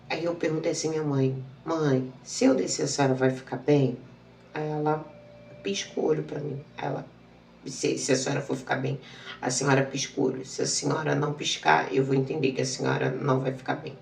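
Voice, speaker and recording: A woman's voice: rumbling low, creaky, darkish tone, reverberant, far from the mic, slight background noise. A woman, telling a personal story and acting out the dialogue. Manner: emotional, repetitive retelling with quoted dialogue. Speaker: channel host.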